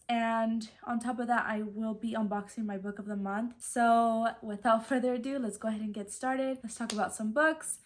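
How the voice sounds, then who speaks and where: A woman's voice: fairly high pitch, a little hiss or hum. Chatty woman with a Spanish-first background. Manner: chatty, fills with "like" and "so". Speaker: book vlogger. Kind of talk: casual book haul chat.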